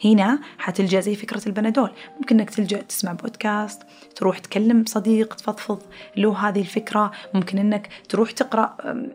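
Woman podcasting, talks quick, kinda husky, lots of restarts and everyday examples. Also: medium pitch, a little mellow. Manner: chatty, explains by everyday comparisons, frequent restarts. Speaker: podcast host. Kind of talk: casual explanatory talk.

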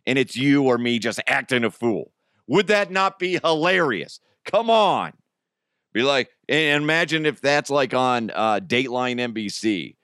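A man's voice: mid-range voice, expressive, a little slow, fairly bright tone, clear, resonant tone, no room sound, clean studio sound. A man with an American accent hosting a podcast, talking in an informal, slangy, conversational way. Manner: chuckles through his own remarks. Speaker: podcast host. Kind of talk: casual solo comedy podcast chat.

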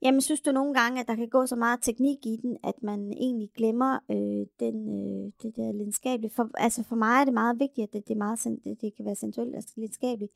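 A woman talks candidly in casual chat, her voice sitting fairly high. She is chatty, trailing off into fillers and restarts as she tells her stories. The recording is dry and close, with no room sound. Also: steady tone, gravelly, hardly any pauses, no room sound. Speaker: swinger sharing experiences.

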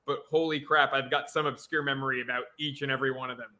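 A man co-hosting a casual sports podcast, excitable and jokey. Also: mid-range voice, fast. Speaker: podcast co-host.

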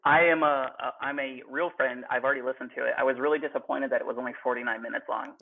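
A young man chatting casually on a podcast, quick and self-deprecating, heavy on "like", recorded in his garage. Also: medium pitch, steady tone, vocal fry. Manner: fast, filler-heavy and self-deprecating, full of "like". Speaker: guest turned interviewer. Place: home garage. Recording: tinny phone-like line.

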